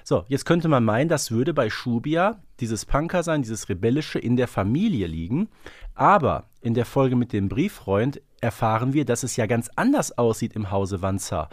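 A man's voice: medium pitch, big pitch swings, moderate pace, no echo. Man chatting in a dry, close recording. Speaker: podcast co-host. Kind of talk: casual conversational analysis.

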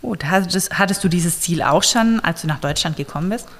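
A woman interviewing a young man, asking gentle, careful questions with frequent fillers. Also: fairly low pitch, fairly quick, in a large hall.

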